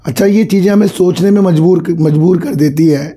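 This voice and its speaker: A hoarse man with a cold hosts his own market commentary, talking casually to viewers as sir. His voice is very dark and mellow and sits a bit high for a man, with a husky edge. He repeats phrases as he goes. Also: brisk. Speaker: stock market channel host.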